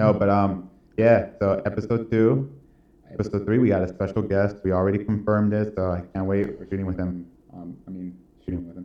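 A man with an unremarkable speaking voice, fairly low pitch, fairly quick pace and fairly even intonation. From San Diego, California. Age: 20s. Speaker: podcast co-host. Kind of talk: casual chat.

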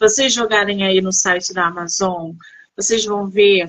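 Her pitch medium, a woman speaks at a very slow pace. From Rio de Janeiro, Brazil (Tijuca). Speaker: book podcast / live-stream host. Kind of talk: casual interview. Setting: live video stream. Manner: animated.

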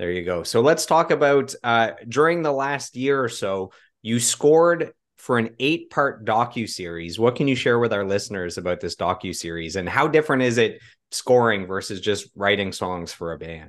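Over a quiet background, a man at medium pitch speaks at a moderate pace with very wide pitch swings. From Eastern Ontario, Canada. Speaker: podcast host. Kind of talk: casual interview. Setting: video call.

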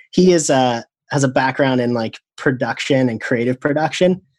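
In an ordinary speaking voice, a man talks fairly slowly at a medium pitch, the sound dry and close with no echo. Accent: American. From Pennsylvania (Meadville). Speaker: hairstylist and education founder. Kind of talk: casual interview.

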